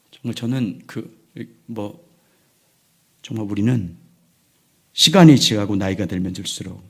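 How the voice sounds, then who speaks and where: An older man in his sixties preaches in a church in a low, gravelly voice with a husky edge. He pushes some lines out loudly and lets others sink to a hush. The tone stays earnest and pastoral throughout. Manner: preaching that swings between loud emphasis and hushed, near-whispered lines. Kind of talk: sermon. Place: church sanctuary.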